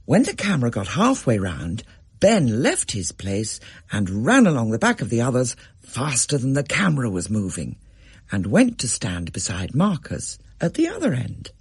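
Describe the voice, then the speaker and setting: A man reading a story aloud as narrator in a measured, storytelling way. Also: medium pitch, husky, dry recording, clean studio sound. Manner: gently storytelling, varied and expressive.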